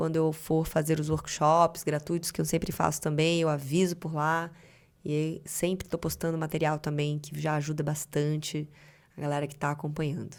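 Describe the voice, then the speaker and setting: A woman speaks at a moderate pace in a very deep, low voice with monotone, flat intonation. The recording is very clean, with a silent background. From Brazil, Belém do Pará. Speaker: self-knowledge and mental health coach. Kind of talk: podcast interview. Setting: studio.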